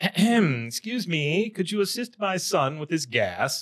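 A man puts on a character voice in a British accent, pitched high. He goes at a fairly slow pace in a very clean recording with a silent background. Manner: posh, fussy.

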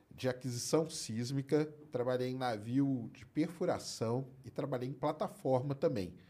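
A man with a medium pitch and a dark, mellow tone speaks at a fairly slow pace. His pitch variation is ordinary. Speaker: science podcast host. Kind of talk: casual chat. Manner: animated.

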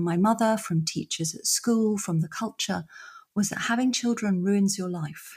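A woman with an English accent speaks at a medium pitch, somewhat breathy. The recording is very clean, with a silent background. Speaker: author and support group founder. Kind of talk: interview.

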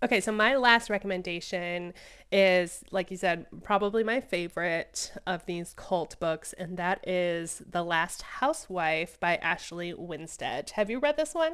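A woman speaks with an American accent in an unremarkable speaking voice at medium pitch. Her pace is fairly slow and her pitch variation ordinary. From Michigan. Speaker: book YouTuber and book club host. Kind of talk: casual chat about books.

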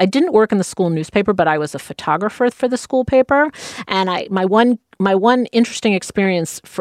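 A woman speaks at a fairly quick pace in a New York accent, her medium pitch making very wide swings. The sound is dry and close, with no echo. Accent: New York American. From New York City (Queens). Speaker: radio host and journalist. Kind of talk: interview.

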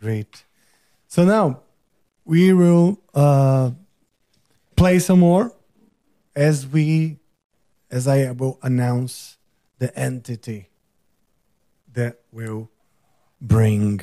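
In a Portuguese accent, a man with a dark, mellow tone speaks very slowly with lively intonation and long, frequent pauses. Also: medium pitch for a man. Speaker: podcast host and musician. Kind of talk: casual interview. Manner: animated.

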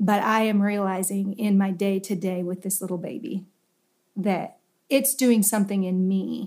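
An ordinary speaking voice comes from a woman with an American accent, medium in pitch. She talks at a moderate pace with fairly even intonation. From Idaho and Alaska. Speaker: foster parent. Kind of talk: casual interview.

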